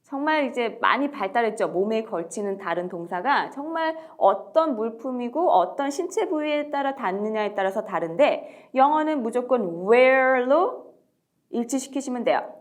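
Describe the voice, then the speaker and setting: A woman teaching everyday English phrases to parents, modelling each phrase slowly and clearly. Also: fairly high pitch, animated. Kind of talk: slow, deliberate language lesson.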